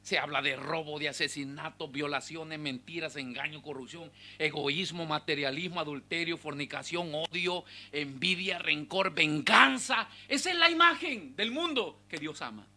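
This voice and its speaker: A man preaching a sermon as pastor, swinging between loud exhortation and hushed asides to the congregation. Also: on the high side, moderate pace, few pauses. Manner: speaks directly to the congregation with rhetorical questions.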